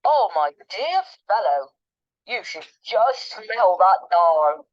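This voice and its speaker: A woman's voice: mid-range voice, big pitch swings, takes it slowly. A woman voicing a crafty, boastful poor woodman who talks in a sly, coaxing way. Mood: confiding. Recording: dull lo-fi recording.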